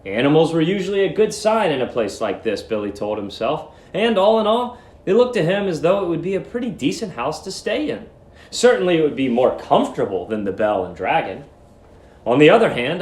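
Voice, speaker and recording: A man narrates a story in a high voice with big swings of pitch. His delivery is theatrical, leaning deliberately on words, and the room echoes around him.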